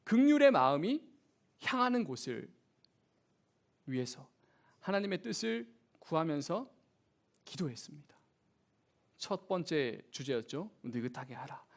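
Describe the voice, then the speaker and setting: A man's voice: on the high side, sing-song, a little slow. A man preaching a sermon to a young congregation in church, asking them questions as he goes. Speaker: youth pastor.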